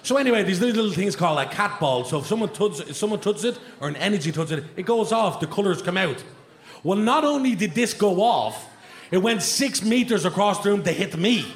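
A man's voice: high voice, expressive, fairly quick. An Irish man telling colloquial, exclamatory, sweary stories as a guest on stage at a live podcast. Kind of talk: animated, sweary storytelling to a live audience. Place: live theatre stage with audience behind. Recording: roomy live hall with crowd noise.

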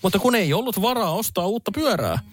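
A man's voice: high voice, animated. A man on a panel show telling a rambling childhood story, cutting himself off mid-word. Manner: rambling, self-interrupting. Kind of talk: casual storytelling.

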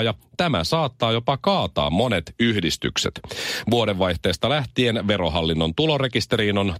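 A middle-aged man hosting a morning radio show, reading mock news in a deadpan way and teasing his co-host. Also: fairly low pitch, no echo, studio quality. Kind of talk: satirical news reading and casual banter.

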